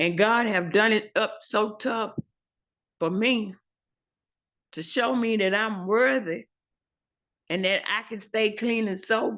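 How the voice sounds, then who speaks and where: A woman's fairly high-pitched voice at a very slow pace, with long, frequent pauses and ordinary pitch variation. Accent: American. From Texas. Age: 60s. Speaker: recovering addict. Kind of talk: testimony. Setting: phone call. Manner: animated.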